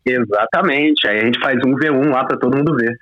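A man from Brazil speaks over the phone at a middle pitch. He is polite and quick to the point, and the phone line sounds dull and lo-fi. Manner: polite, brief. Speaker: caller.

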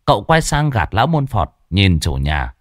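Lively storyteller. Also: male voice, lowish voice, normal speed, dry recording, studio quality. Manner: expressive, animated. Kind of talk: folk ghost story narration.

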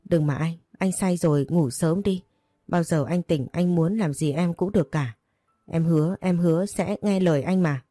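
A woman's voice: on the low side, normal speed, mellow, dry recording, lightly acted. Woman voicing a frightened pleading young wife. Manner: pleading, timid.

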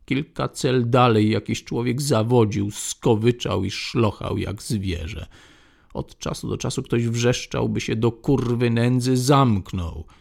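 A male audiobook narrator reading in a steady, measured manner. His delivery is very unhurried, and his voice carries a deep gravelly fry. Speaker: audiobook reader.

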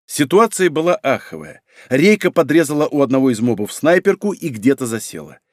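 A man's voice: medium pitch, sing-song, fairly quick, no echo, studio quality. A man narrating a first-person audiobook in a wry, conversational way.

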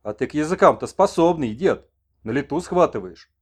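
A man's voice: on the high side, animated, moderate pace. A man voicing a talkative old village grandfather with a folksy, colloquial manner.

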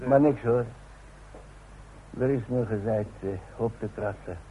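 An actor as a slow-talking proud old workman. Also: mid-range voice, warm tone, close to an everyday voice. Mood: gruff, proud. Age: older. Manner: halting, stammering, plain-spoken. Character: proud, gruff old chimney worker forced into retirement. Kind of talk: Dutch radio play acting. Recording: muffled phone-like old radio recording, faint noise.

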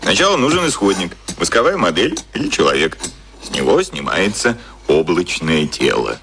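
An actor playing a cynical, cocky boss who explains things in an offhand, colloquial way, as in a radio drama. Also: male voice, low-pitched, very animated, moderate pace, gravelly, fairly bright tone, a little hiss or hum, exaggerated voice. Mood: breezy explaining. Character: cynical, cocky male boss explaining secret media machinery.

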